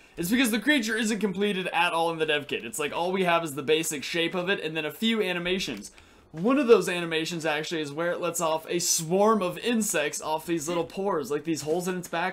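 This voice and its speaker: Through noticeable background noise, a high-pitched man talks at a very fast pace with hardly any pauses and ordinary pitch variation. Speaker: gaming YouTuber. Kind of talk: gameplay commentary. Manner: casual, rambling.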